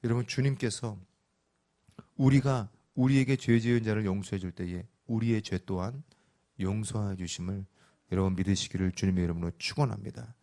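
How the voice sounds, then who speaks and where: A middle-aged man preaching a sermon, telling stories in a lively, animated way. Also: lowish voice, fairly quick. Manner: lively storytelling, animated voices. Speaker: pastor.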